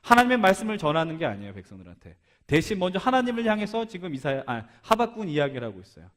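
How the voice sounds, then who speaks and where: Male preacher, slightly high-pitched, engages the congregation with questions and dramatized prayers. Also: sing-song, rapid-fire, a bit bright, in a large hall. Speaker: pastor. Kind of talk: sermon to a young adults' service.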